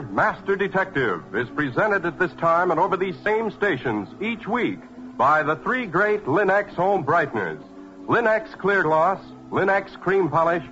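American male announcer, higher-pitched, very lively delivery, formal and polished, vintage network radio. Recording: muffled 1940s radio recording with music.

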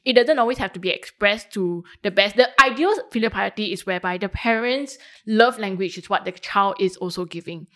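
Female, Singaporean accent, mid-pitched; candid, explanatory panel talk with Singlish slang. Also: fairly quick, fairly bright tone. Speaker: panel guest.

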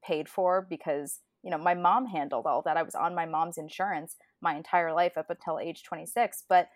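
A woman's voice: low-pitched, steady tone, moderate pace. A woman in her twenties co-hosting a podcast, talking casually in a chatty, rambling way full of restarts. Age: 20s. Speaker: podcast co-host. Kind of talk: casual chat.

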